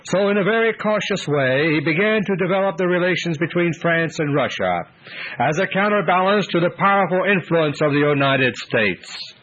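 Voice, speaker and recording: A man delivering scripted political commentary to listeners in a measured, deliberate way. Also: on the high side, animated, a bit bright. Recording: dull lo-fi audio.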